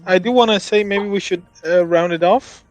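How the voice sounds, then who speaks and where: A man with a fairly high voice speaks hesitantly, stammering and restarting his sentences. His voice sounds dry and close, with no room around it, over an online call. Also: moderate pace, dry recording, soft background music. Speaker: tabletop game player. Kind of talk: casual out-of-game chat on a stream.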